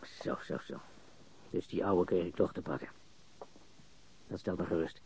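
An actor playing a baffled, cocky and coarse murder suspect in a radio crime drama, stammering and repeating words. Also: male voice, sits low, moderate pace, darkish tone, a little hiss or hum. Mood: mocking, relieved. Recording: dull, lo-fi radio recording.

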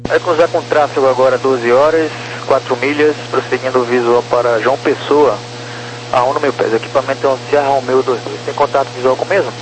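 A man's voice: medium pitch, fairly even intonation, fairly quick. A man with a Brazilian accent giving air traffic control instructions as a radar controller over a crackly radio transmission. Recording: crackly, humming, noisy aviation radio.

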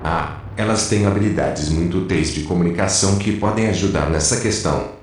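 Man as a deep-voiced, cautious rebel recruiter. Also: natural voice. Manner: cautious, measured. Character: cautious male resistance recruiter, hesitant but sensible. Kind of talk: scripted audio drama acting. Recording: very echoey room.

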